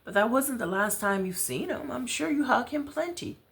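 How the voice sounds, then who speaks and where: A woman's voice: on the high side, animated, moderate pace, vocal fry, pitched above the performer's own voice. An American woman voicing an outspoken, caring woman friend in a story, with blunt, slangy, emphatic delivery. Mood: concerned.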